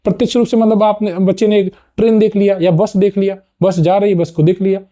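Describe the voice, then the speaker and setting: A man's voice: high voice, little pitch movement, quick pace, mellow. A young adult man teaching a lesson in a spoken explanatory style, often adding a checking "ठीक है" and restarting words as he explains. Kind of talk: explanatory lecture.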